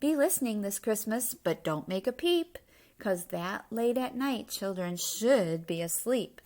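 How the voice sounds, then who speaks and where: A woman reads a children's storybook aloud in an expressive, emphatic rhyming delivery, pausing for explanatory asides. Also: mid-range voice.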